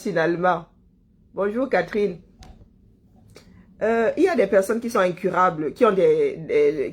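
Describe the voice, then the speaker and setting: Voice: mid-range voice, husky. A livestream host, chatting casually and greeting viewers by name, rambling and chuckling and stumbling over words.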